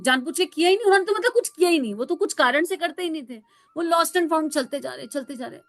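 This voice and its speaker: A woman spiritual counsellor giving a devotional talk, telling stories in an animated way and mixing in English words. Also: high voice, no echo.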